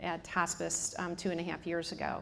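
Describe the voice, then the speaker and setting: A woman talks with a strong Michigan accent. Her pitch is fairly low. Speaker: hospice marketing executive. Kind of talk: public talk. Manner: halting, many fillers.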